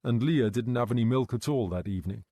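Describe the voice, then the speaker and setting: A man voicing a calm, patient male detective who questions people gently and in a measured way. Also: medium pitch, no echo, studio quality, lightly acted.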